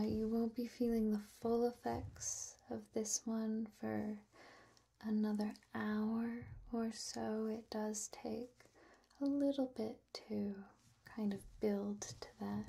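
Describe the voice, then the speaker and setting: A young woman playing a gentle, attentive potion maker in a soft-spoken, breathy, slow and reassuring ASMR roleplay, close to the microphone. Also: medium pitch, full character voice. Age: young adult. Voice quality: breathy, whispery.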